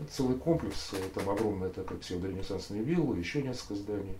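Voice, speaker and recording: A man with lively intonation amid audible room echo and noticeable background noise. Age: 60s. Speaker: artist. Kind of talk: oral history interview.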